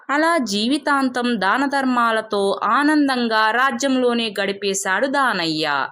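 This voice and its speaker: A woman narrates a scripted moral tale as a storyteller. Her voice is on the high side. The delivery is expressive storybook narration.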